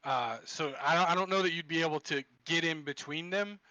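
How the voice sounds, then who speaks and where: A man's voice: fairly high pitch, fairly quick, pushed and bright, dull audio. A man running a tabletop game over voice chat as game master, describing scenes loosely with many restarts.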